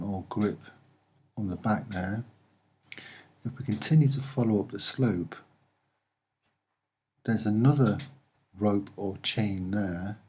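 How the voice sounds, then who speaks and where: A soft-spoken man giving a halting, unscripted commentary as he points things out, with frequent pauses. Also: lowish voice, breathy edge. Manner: hesitant, halting, with many pauses. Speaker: amateur video presenter.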